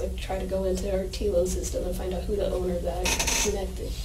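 Noticeable background noise sits behind the speaker. A woman talks at a fairly quick pace. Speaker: police officer. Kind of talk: police interview answer. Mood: subdued, informal. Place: meeting room. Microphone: camera far.

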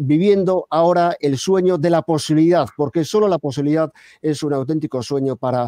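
A man's dark, mellow tone at a moderate pace, dry with no echo against a quiet background. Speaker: radio show host. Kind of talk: radio sports show introduction. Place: studio. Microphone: studio mic.

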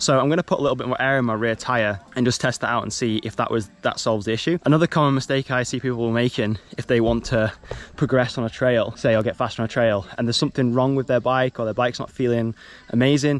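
A man talks at a very fast pace in a dry recording with no echo, faint music playing in the background. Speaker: mountain bike vlogger. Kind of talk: casual vlog chat. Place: open country. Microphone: phone near.

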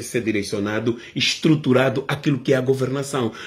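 This man speaks at a medium pitch with ordinary pitch variation. The background is quiet. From Angola. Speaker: civil society activist and video blogger. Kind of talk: political opinion monologue. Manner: halting, with frequent repetitions. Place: home room. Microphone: phone near.

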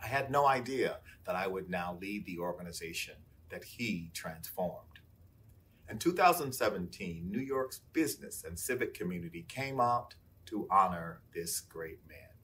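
A man with a fairly low pitch and a bright, sharp tone speaks at a fairly slow pace, making very wide pitch swings and big swings in loudness. Light background noise is present. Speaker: foundation president hosting. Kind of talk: scripted introduction. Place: meeting room.

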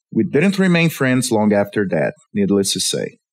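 Medium-pitched man with a non-native accent and very wide pitch swings. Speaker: YouTube narrator. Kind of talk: reading aloud.

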